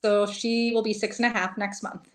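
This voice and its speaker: A mid-pitched woman with a Minnesotan accent talks as a guest on a video call. She laughs often and fills her pauses with ums. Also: little pitch movement. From Italy. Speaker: guest, funeral director. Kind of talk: casual interview conversation.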